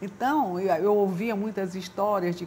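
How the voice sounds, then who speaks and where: A woman speaks at a moderate pace with medium pitch and fairly even intonation. Her voice is somewhat breathy with a dark, mellow tone. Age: 60s. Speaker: gerontologist. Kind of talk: interview.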